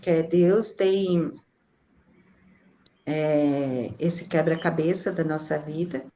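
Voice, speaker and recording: A woman in her forties with a warm, low-pitched voice speaks slowly as an interview guest, thoughtfully recalling her experiences. The conversation is casual and reflective, sprinkled with fillers like "né" and "assim," over faint background noise.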